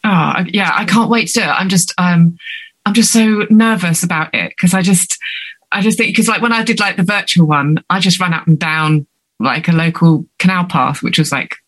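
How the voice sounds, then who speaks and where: A woman's voice: on the low side, moderate pace. A woman with a South London accent casually interviewing and chatting on a podcast. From South London, England. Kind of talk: casual chat.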